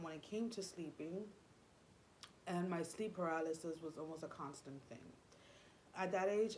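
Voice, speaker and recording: A young woman whose first language is Spanish speaks in a low, unhurried voice. She confides her story in a rambling way, full of fillers and false starts. A faint hum of room noise sits underneath her. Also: poor audio. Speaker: vlogger. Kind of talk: personal storytelling vlog.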